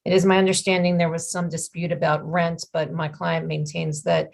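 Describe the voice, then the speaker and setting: Lower-voiced woman defense attorney. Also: little pitch movement, moderate pace, creaky. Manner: persuasive, addresses the judge directly. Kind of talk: formal courtroom argument.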